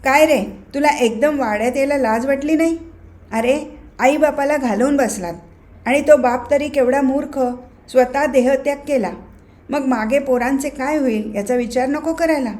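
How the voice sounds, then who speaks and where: A woman voicing a harsh middle-aged man who scolds and shouts with scorn, in a novel reading. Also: high-pitched, lightly acted.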